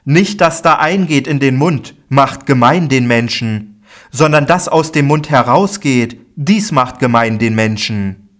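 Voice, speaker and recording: A man voicing a grave, admonishing teacher, declaiming slowly and emphatically in a Bible audiobook reading. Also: medium pitch, animated, fairly bright tone, pitched above the performer's own voice.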